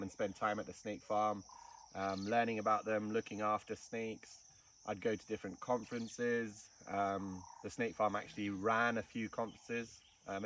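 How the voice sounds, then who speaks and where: Male guest from Kenya, relaxed storyteller, interview recorded at a distance outdoors. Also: lowish voice. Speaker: snake farm curator. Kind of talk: casual interview. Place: outdoors in the bush. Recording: distant mic with faint insect noise.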